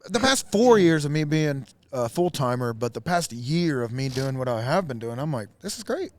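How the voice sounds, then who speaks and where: A man's voice: mid-range voice, sing-song, moderate pace. A man, a musician guest, talking earnestly and emphatically in a casual backstage chat.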